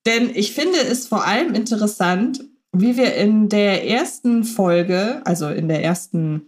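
A woman of middle pitch co-hosts a casual fan podcast. She speaks in a considered, reflective way, checking details and correcting herself when needed. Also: expressive, a little slow. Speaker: podcast co-host.

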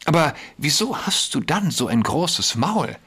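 A man voicing a young goat boy who is curious and wary, asking earnest, doubtful questions in a slightly husky voice. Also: a little high, very animated, a little slow, bright, forceful tone, pitched above the performer's own voice, heavily acted. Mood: doubtful questioning.

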